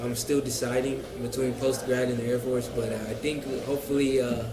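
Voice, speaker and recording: A man's voice: mid-range voice, level tone, a little fast, background noise. A young American man, a university student, answering interview questions casually, hesitant with lots of fillers and repeats. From United States. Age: young adult. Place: busy cafe. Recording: roomy cafe with crowd chatter.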